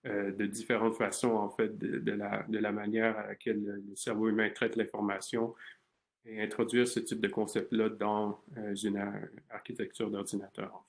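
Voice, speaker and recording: Gravelly low-voiced Canadian man. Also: completely flat delivery, normal speed. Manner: hesitant, many fillers and restarts. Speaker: research scientist guest. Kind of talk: interview answers.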